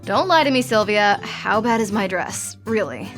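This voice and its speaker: A woman's voice: mid-range voice, expressive, normal speed, fairly bright tone, soft background music, natural voice. A woman playing a sardonic, rebellious teenage Latina girl in an audio drama. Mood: sarcastic, eager. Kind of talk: audio fiction drama acting.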